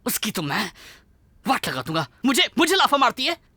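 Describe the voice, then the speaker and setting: A man's voice: on the high side, animated, normal speed, fairly bright tone, slight background noise. An actor playing an intense, bossy young man caught up in solving a puzzle. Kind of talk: film dialogue.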